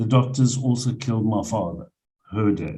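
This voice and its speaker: Somewhat breathy and dark, mellow in tone, a man talks at a medium pitch and a moderate pace. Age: 60s. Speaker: guest. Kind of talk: casual chat. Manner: halting.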